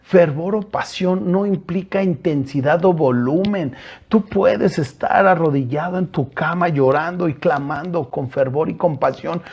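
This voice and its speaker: A man's voice: fairly high pitch, measured pace, a little mellow, breathy edge, lo-fi sound. A male pastor with a Mexican Spanish accent, preaching an earnest sermon that keeps addressing his listeners directly, with hesitant fillers between points.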